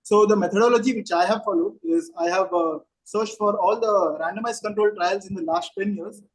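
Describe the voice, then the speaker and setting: A young man with an Indian accent gives a formal academic presentation. His voice is high for a man and rough-edged, with a husky grain. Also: fairly quick, rough recording. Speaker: orthopaedic fellow presenting. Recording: online meeting audio from a tablet.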